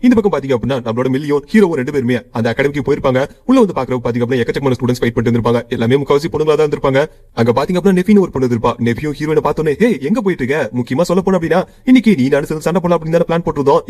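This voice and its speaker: A man has a normal speaking voice at fairly high pitch. His intonation is lively. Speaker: anime story narrator. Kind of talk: casual storytelling recap.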